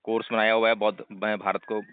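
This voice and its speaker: A man's voice: lowish voice, level tone, fast talker, clean tone, no echo. A man who leads a Buddhist group, explaining its rules over a phone line that keeps breaking up and checking in with his listener as he goes. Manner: explanatory, leans on tag questions. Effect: choppy phone line that breaks up. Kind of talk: phone discussion. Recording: dry, narrow phone-line sound.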